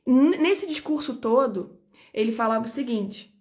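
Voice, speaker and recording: A woman's voice: on the high side, animated, unhurried, darkish tone. A woman lawyer speaking straight to her viewers about her own detention. She talks emphatically and indignantly, and repeats her points to drive them home. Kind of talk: personal video statement.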